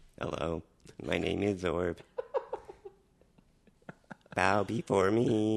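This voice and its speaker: Using a put-on character voice, a man talks at a very slow pace and a fairly low pitch, with long, frequent pauses. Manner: commanding.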